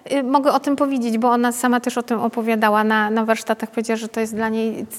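A pedagogue running a parenting workshop speaks fast, her slightly high voice holding a level tone. She keeps the talk informal and chatty and checks in with the group through frequent tag questions, all heard with long hall reverb.

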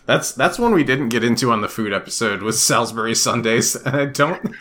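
A man's voice: medium pitch, expressive, fairly quick, pushed and bright. A man co-hosting a casual podcast, easygoing and a little hesitant, laughing often. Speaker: podcast co-host.

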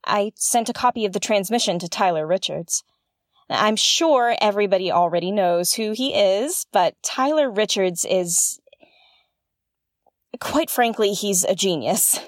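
A woman's voice: mid-range voice, expressive, unhurried, no room sound, studio quality, close to an everyday voice. A woman playing an earnest, intense investigator who hosts a conspiracy podcast in an audio drama. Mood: smitten, admiring. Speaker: podcast host. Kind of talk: scripted audio drama narration.

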